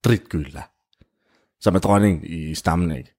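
A man telling an improvised comic story in casual chat, animated and full of fillers. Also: lowish voice. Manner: animated, jumps into character voices, many fillers like "du ved".

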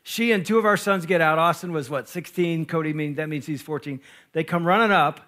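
Middle-aged man, pastor and speaker, bright and high, animated, playful storyteller. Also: brisk. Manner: animated, jokey, acts out both sides of quarrels. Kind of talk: lively storytelling talk to an audience.

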